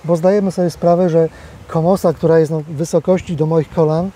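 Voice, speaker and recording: A man explaining farm equipment in a casual interview outdoors in a field, in a steady, explanatory way. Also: fairly high pitch, fairly quick, slight background noise.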